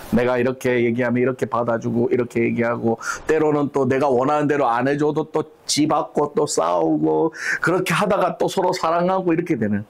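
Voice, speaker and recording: A man leading a church Bible study, animated, asking rhetorical questions and acting out everyday examples. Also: fairly high pitch.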